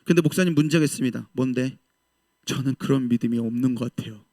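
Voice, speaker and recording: A man preaching a passionate sermon to young adults, switching between loud calls and soft asides and acting out the quoted voices. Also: medium pitch, fast talker, dry recording, clean studio sound. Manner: voices the doubters and God's reply in lively quoted speech. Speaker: pastor.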